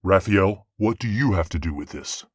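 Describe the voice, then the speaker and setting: A man playing a stern but fair archangel judge in a fantasy audio drama, with formal, measured authority. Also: deep voice, lively intonation, no room sound, studio quality. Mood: stern questioning. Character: stern, fair male archangel presiding over a trial.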